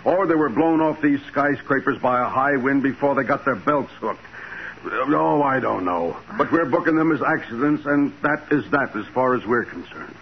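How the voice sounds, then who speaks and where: A man's voice: mid-range voice, moderate pace, vocal fry, natural voice. An actor playing a blunt, dismissive policeman with a familiar manner in a 1940s radio crime drama. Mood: dismissive, exasperated. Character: matter-of-fact, dismissive male police officer. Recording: muffled, hissy 1940s radio recording.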